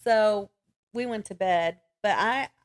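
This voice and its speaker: A woman co-hosts a relaxed book podcast. Her voice sits at an average pitch for a woman. She talks in an informal, conversational way, using everyday slang. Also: slow. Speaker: podcast co-host. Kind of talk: casual book chat.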